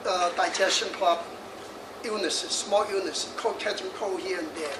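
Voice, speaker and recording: Recorded from a distance in an echoey, noisy hall, a man in his sixties delivers a lively, humorous feng shui lecture to an audience. His voice is high-pitched and steady, at a moderate pace, with frequent laughter and chatter between points.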